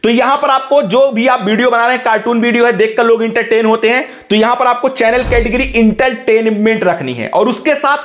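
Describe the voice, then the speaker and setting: Fast-talking high-voiced man tutor. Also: fairly bright tone. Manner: instructive, keeps saying "look" to guide viewers. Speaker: tech tutorial host. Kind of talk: screen-recorded app tutorial. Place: voice-over on a phone screen recording.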